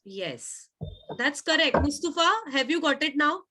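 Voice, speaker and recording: A woman's voice: high-pitched, expressive, measured pace, pushed and bright. A woman with a South Asian accent teaching an interactive maths lesson online, repeating her questions insistently to pupils.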